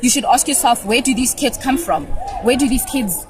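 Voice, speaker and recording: Outdoors on a campus, a young woman university student from Pretoria, South Africa, gives an impassioned vox pop answer about social problems. Her slightly high voice is earnest and lively at a moderate pace, and she often repeats words as she builds her point. The outdoor recording is noisy, with music in the background.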